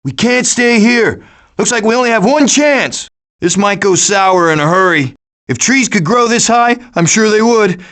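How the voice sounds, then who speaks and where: Cocky high-pitched cartoon raccoon. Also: male voice, fairly bright tone. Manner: glib, theatrical, wisecracking. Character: cocky, scheming, wisecracking cartoon raccoon, adventurous leader. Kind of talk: animated video game voice acting.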